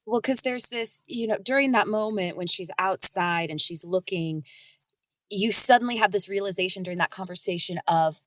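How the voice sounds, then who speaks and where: A woman's voice: mid-range voice, moderate pace, dry recording. A woman talking casually and expressively on a podcast, with emphatic phrasing. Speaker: voice actor discussing an audio drama.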